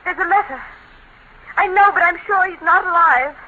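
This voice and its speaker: A flustered nurse. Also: female voice, extremely high pitch, moderate pace, pushed and bright, a little hiss or hum. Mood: alarmed. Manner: flustered, urgent. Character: anxious hospital nurse. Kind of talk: 1940s radio drama. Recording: muffled 1940s radio broadcast.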